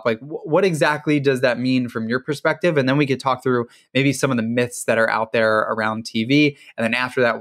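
A man's voice: medium pitch, a bit bright. A man with a mid-range voice hosts a podcast in an upbeat way. He sets up topics and guides the talk with questions. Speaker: podcast host. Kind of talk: podcast interview.

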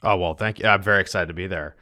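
A man's voice: low voice, fairly even intonation, fast, sharp tone. A man hosting an interview in an informal, conversational way. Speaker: interviewer, host. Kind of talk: casual chat.

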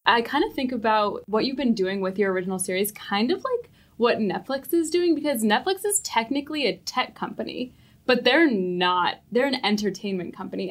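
Reflective woman co-host. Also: mid-range voice. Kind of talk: podcast interview.

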